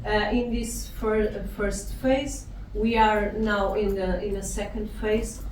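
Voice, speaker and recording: A woman's voice: medium pitch, steady tone, slow, a little mellow. Hesitant Portuguese-accented woman in an echoey hall. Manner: hesitant, many fillers and restarts. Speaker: conference presenter. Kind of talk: academic conference talk. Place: conference hall. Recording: echoey hall, distant mic, noise.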